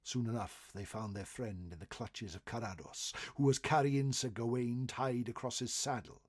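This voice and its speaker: A male storyteller with a husky, slightly rough voice at a middling pitch narrates old tales in a dramatic oral style. He swells expressively through phrases and lets their endings fall away into a hush. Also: steady tone, moderate pace. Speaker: storyteller reading a folklore article.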